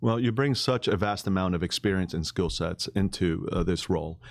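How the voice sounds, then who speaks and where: A man's voice: deep voice, a little fast, no echo, clean studio sound. A man hosting a podcast, asking interview questions in a friendly, joking, conversational way. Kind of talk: interview questions, casual chat.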